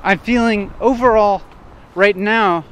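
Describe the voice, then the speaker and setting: A man walking outdoors and thinking aloud in short, broken phrases, at times loud and assertive, almost shouting. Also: high voice, slow, a little hiss or hum. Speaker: vlogger. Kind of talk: reflective walking monologue. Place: outdoors on a street while walking.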